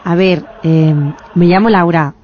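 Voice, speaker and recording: A man's voice: sits high, fairly even intonation, measured pace, muffled recording, a little hiss or hum. A prank caller who says he is a young woman, coaxing and dodging questions while asking a stranger out. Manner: insistent, coaxing, evasive.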